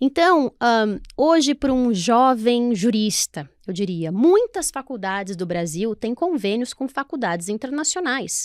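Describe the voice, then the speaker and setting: On a very clean recording with a silent background and a dry, close sound with no echo, a woman with a slight Brazilian accent speaks fairly slowly at a high pitch, with very wide pitch swings and hardly any pauses. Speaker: lawyer. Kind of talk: podcast interview.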